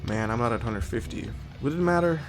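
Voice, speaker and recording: A man's voice: medium pitch, expressive, a little fast, over music. A man hosting a let's-play video, a little sniffly from a cold, thinking aloud and reading game text with frequent ums. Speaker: gaming video host. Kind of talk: casual let's-play commentary.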